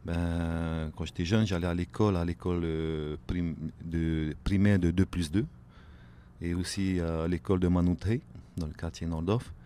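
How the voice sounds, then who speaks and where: Deep-voiced Tahitian man, halting talk. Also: steady tone, dark tone, slight background noise. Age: late 30s. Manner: halting, fills pauses with "ben", "hein", "voilà". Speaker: guest, outrigger canoe paddler. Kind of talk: casual radio interview. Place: radio studio.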